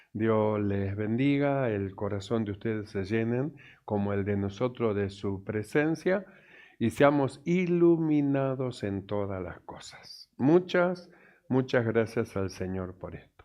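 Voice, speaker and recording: Speaking at a very slow pace, a man uses lively intonation and big swings in loudness. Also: medium pitch for a man. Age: 60s. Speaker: pastor. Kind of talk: sermon.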